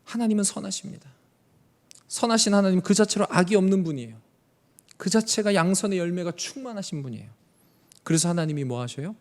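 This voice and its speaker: A male pastor preaching a sermon in a church, swinging between loud emphasis and hushed tones and asking his congregation questions he then answers. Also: high-pitched, animated, a little fast. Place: church sanctuary. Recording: long church reverb.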